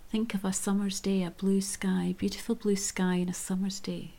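A woman guiding a chakra meditation in a soft, gentle whisper. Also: medium pitch, flat delivery, normal speed, creaky. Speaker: meditation guide.

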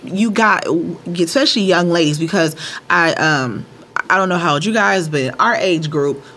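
A woman's voice: fairly low pitch, moderate pace, a bit bright. A woman, a podcast guest giving frank, emphatic opinions in casual chat. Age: 30s.

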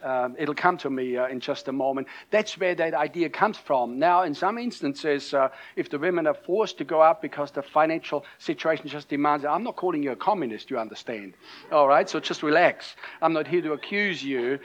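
A man's voice: fairly high pitch, brisk. A middle-aged man from Austria with a German-accented English, preaching a conversational sermon with many fillers and restarts. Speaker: pastor.

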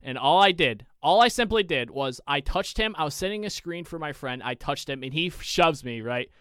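A young man co-hosting a podcast, telling a long story in a casual, animated, profane way with many restarts. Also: fairly high pitch, normal speed, smooth, dry recording, clean studio sound. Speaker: podcast co-host.

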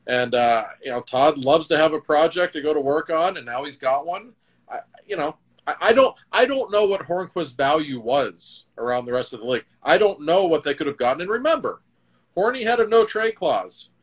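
A middle-aged man spins stories on a casual hockey talk show, his somewhat high, breathy voice rising and falling with energetic emphasis. The delivery stays relaxed and chatty, dotted with sudden punchy accents.

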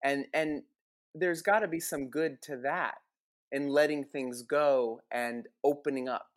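An interviewer who asks questions in a reflective, unhurried way. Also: medium pitch, fairly even intonation. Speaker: interviewer, host.

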